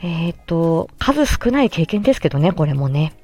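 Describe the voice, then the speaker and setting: A woman speech therapist chatting through an explanation in a casual podcast, lively and full of little hesitations. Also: sits low, normal speed, breathy edge, faint music behind.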